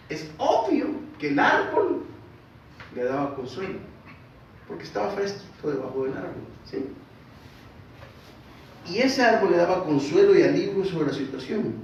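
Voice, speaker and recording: A pastor preaches conversationally and keeps asking his congregation questions. His voice sits a little high for a man. He is heard from well back in a large, strongly echoing church hall, and the sound is muffled. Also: darkish tone, slight background noise. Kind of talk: sermon. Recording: distant echoey hall, dull sound.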